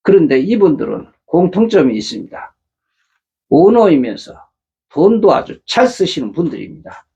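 A man's voice: fairly high pitch, sing-song, moderate pace, dark tone, breathy edge, highs cut off. A middle-aged man hosting a matchmaking channel, talking earnestly to viewers and lecturing with rhetorical questions. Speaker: matchmaking agency host. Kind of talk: casual monologue to viewers.

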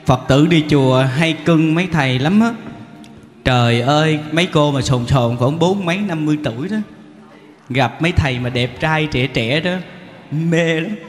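A man's voice: fairly high pitch, normal speed. A man with a Southern Vietnamese accent, a monk giving a humorous sermon full of stories, teasing the audience and acting out characters. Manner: animated, teasing, acts out characters. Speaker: monk giving a dharma talk. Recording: echoey hall, faint background noise.

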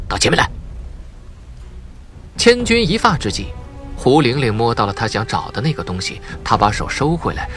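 A man's voice: fairly low pitch, a bit bright. A man narrating a suspense audiobook in a dramatic, scripted storytelling style.

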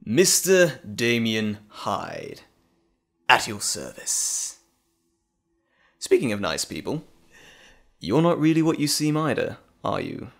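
A man playing a gloating, sinister evil alter ego in an audio drama, with a mocking, theatrical, drawn-out delivery. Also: medium pitch, very animated, creaky, fairly bright tone, heavily acted. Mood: sinister, taunting.

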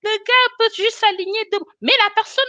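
On a webcam video call from a small indoor room, a chemist and cosmetics consultant in her thirties is interviewed casually as a guest. Her very high, bright, forceful voice moves a little fast, and she's animated and expressive, laughing often. The audio is dry and close, free of room echo.

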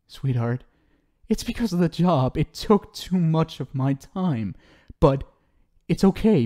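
Guy doing a creepy obsessed tv host for asmr roleplay, kinda high voice, really slow, sugary but threatening. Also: dark tone. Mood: desperate, pleading. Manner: cooing, theatrical, swinging between sweet pet names and pleading. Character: obsessive, unhinged yandere male talk show host, syrupy and menacing. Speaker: audio roleplay performer.

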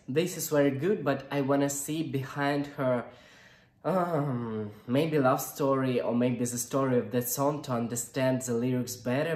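A man's voice: medium pitch, a little mellow. Effusive man in his twenties. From Ukraine. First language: Russian and Ukrainian. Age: 20s. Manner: effusive, exclaims often, simple non-native English. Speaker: YouTube reaction host. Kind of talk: casual reaction vlog. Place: indoor room, seated before an ornate armchair. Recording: echoey room with faint music.

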